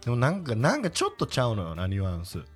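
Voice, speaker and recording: A man's voice: mid-range voice, huge pitch swings, racing, breathy edge, faint music behind. A young man from Kobe with a Kansai accent, co-hosting a podcast in casual, teasing banter. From Kobe, Japan. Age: young adult. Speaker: podcast co-host. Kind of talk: casual chat.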